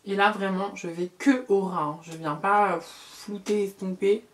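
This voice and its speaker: In a relaxed makeup tutorial, a middle-aged woman who vlogs about beauty speaks in a mid-range voice with fairly even intonation. Her delivery is chatty, with repeated words and filled pauses.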